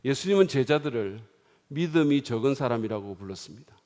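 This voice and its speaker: A middle-aged man preaching a sermon in a church, swinging dramatically from hushed, quiet lines to loud exclaiming. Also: medium pitch, expressive, brisk. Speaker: pastor. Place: church sanctuary. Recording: long hall reverb.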